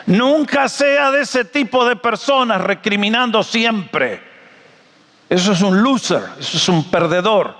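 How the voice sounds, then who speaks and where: A man preaching a sermon, animated and joking, often asking his audience questions. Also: on the high side, long reverb tail. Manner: animated, jokey storyteller, asks the audience questions.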